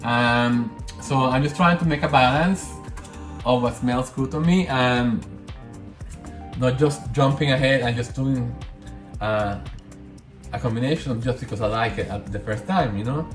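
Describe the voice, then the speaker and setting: A man's voice: mid-range voice, a little slow. Man, Spanish accent, casual hands-on tutorial, rambling and self-correcting, roomy echo, faint music. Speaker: candle maker.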